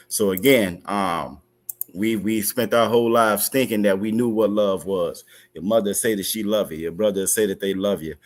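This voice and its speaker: A man teaching an online religious class over a video call, halting, with many fillers and restarts. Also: deep voice.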